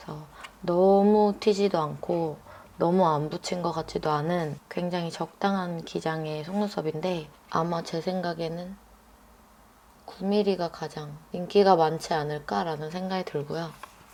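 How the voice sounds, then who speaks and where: A woman's dark, mellow voice at a fairly low pitch, fairly slow in pace, with fairly even intonation. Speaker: beauty youtuber and lash salon owner. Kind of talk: product tutorial.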